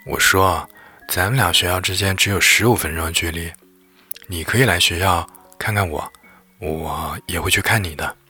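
A man voicing a calm, strict young man who speaks slowly and softly, with a husky tone. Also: sits low, faint music behind, exaggerated voice. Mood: soothing. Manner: slow, measured, soft.

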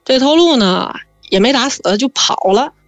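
A woman tells a story in a lively, chatty way, stretching her fillers as she goes. Her voice sounds close and dry, with soft music playing underneath. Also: high voice, normal speed, no room sound. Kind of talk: casual spoken storytelling.

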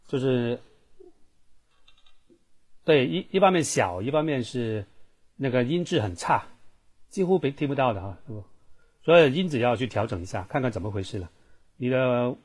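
Fields: Sex: man. Role: Thai language teacher. Style: live online voice-class lesson. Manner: chatty and repetitive, keeps asking the class questions. Mic: computer microphone. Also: mid-range voice. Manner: chatty, repeats himself, asks the class questions.

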